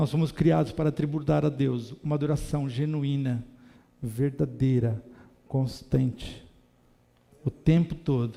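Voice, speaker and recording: Fairly slow, somewhat breathy speech from a man with a fairly high pitch, fairly even intonation and a dark, mellow tone. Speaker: minister preaching. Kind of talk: sermon.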